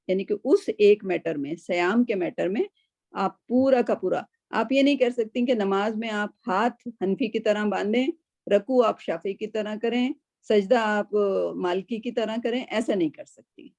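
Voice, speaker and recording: A woman's voice: medium pitch, mellow, no room sound, highs cut off. A woman teaching a Quran class over a video call, explaining patiently and often checking in with her students.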